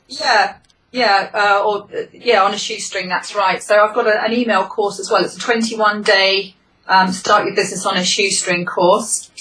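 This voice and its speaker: A woman speaks in a British accent at a moderate pace and medium pitch. Her intonation is monotone and flat. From UK. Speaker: business coach. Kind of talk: interview.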